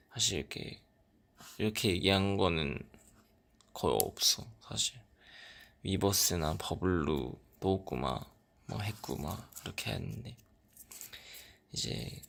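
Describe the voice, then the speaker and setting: A young man chatting casually with fans on a livestream, soft-spoken and short on sleep, often dropping into a near whisper. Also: sits low, gravelly. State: sleep-deprived. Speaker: idol on a fan livestream. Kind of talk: casual livestream chat reading fan comments.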